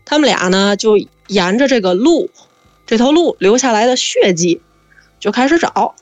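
A woman telling a spooky family story in a lively, chatty way, drawing out her fillers. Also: on the high side, normal speed, no room sound, soft background music. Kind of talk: casual spoken storytelling.

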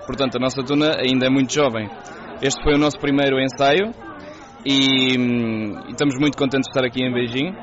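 A Portuguese man with a European Portuguese accent, a university teacher explaining his student band in a friendly way with short pauses. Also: medium pitch. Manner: friendly, explanatory, pausing with fillers. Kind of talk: interview answers. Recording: dull muffled audio with crowd noise.

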